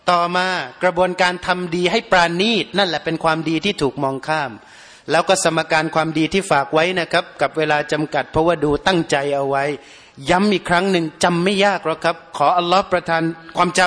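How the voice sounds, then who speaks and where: A man's voice: high-pitched, a bit bright. A man, preaching a sermon earnestly, repeating his points for emphasis. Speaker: Muslim preacher. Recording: long hall reverb.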